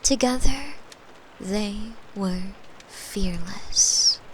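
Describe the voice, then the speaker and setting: A woman playing a caring, playful young girlfriend in an intimate ASMR bedtime roleplay, gentle and soothing, sometimes slipping into whispers. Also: mid-range voice, extremely slow, slight background noise, rough recording. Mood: soft storytelling. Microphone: close microphone, made for headphones.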